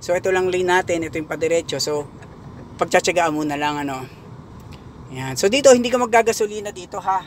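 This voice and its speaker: A man talks at a very fast pace with a high pitch and lively intonation. His loudness swings widely, and he leaves long, frequent pauses. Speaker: driving instructor. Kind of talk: driving lesson instruction. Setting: in a car. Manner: casual, instructive.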